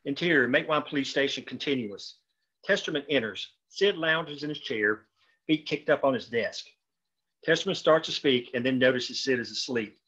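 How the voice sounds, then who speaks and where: Bright-voiced man reading stage directions. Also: mid-range voice, moderate pace, slightly rough. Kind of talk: scripted narration at a table read. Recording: dull, lo-fi call audio.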